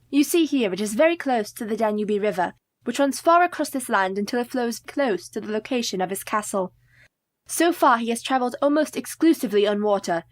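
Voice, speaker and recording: An actress playing a haunted but clever young wife in a radio play, formal and composed. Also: female voice, a little high, close to an everyday voice. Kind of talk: community radio play acting.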